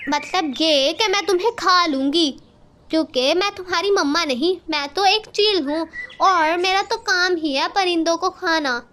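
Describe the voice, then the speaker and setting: Cartoon villain: a woman doing a starving, sly female kite bird, very high, coaxing. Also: normal speed, a bit bright.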